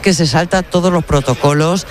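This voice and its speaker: A woman anchoring live radio coverage, chatty and animated, with many restarts as she hands over to reporters. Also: sits low, moderate pace, soft background music. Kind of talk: live broadcast commentary.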